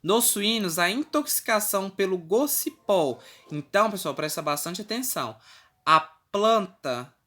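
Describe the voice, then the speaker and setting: This recorded online class lecture comes from a Brazilian Portuguese-accented teacher whose mid-range voice sounds animated, pushed and bright, moving a little slowly. Lessons unfold step by step, peppered with checking tags and occasional self-corrections.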